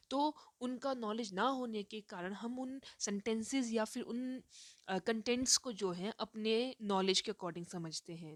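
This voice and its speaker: A woman teacher giving a recorded lecture on teaching reading. She explains step by step, mixes English terms into her sentences and fills pauses with "uh". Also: mid-range voice, no echo, clean studio sound.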